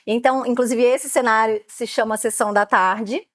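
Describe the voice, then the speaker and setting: A Brazilian woman in her late thirties talks on an interview podcast, her voice sitting high and bright in pitch. She explains her work eagerly, piling on fillers as she goes. The sound is close and dry, with no room around it. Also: normal speed, dry recording. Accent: Brazilian Portuguese. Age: late 30s. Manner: lively, explanatory, many fillers. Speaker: photographer guest.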